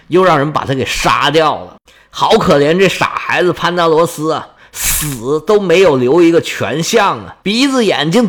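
A man's voice: high voice, fairly bright tone. A man telling an epic tale in dramatic oral storytelling style, vivid and chatty with asides to listeners.

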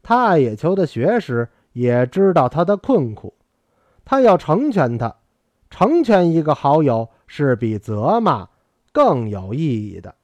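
Slow, expressive male audiobook narrator. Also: fairly high pitch, dry recording, lo-fi sound. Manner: measured, expressive storytelling. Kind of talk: novel reading.

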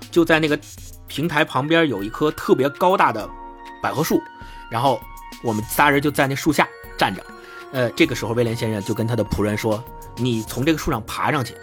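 A man casually retelling a story as a podcast host, lively and acting out the dialogue with shifting pitch. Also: brisk, faint music behind.

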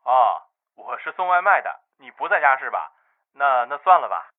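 A man's voice: mid-range voice, a little fast, over loud music, voice pushed down, lightly acted. A man doing a scornful delivery man on the phone. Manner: flat, contemptuous. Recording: tinny phone-line sound.

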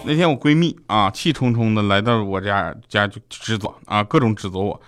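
A man's voice: lowish voice, brisk, a bit bright, clear, resonant tone, faint music behind. A man hosting a radio show, telling a string of short jokes and acting out quoted voices. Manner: jokey, acts out quoted voices. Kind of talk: comic monologue of jokes.

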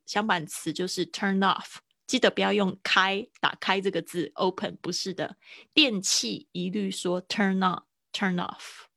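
A young adult woman teaching English travel phrases in a livestream lesson. She explains patiently and repeats each phrase slowly and clearly, with casual asides. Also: medium pitch, sharp tone, no room sound, clean studio sound. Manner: casual asides with fillers and small laughs.

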